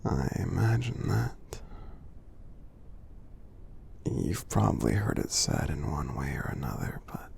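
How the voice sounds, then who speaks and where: A man voicing a friendly, kindly giant in an ASMR roleplay, speaking softly and breathily with a gravelly edge, in a tender, halting, encouraging way. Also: very deep voice, big pitch swings, slight background noise, heavily acted. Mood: gentle, reassuring. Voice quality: soft, breathy, half-whispered, gravelly. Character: gentle friendly male giant, kindly and reassuring.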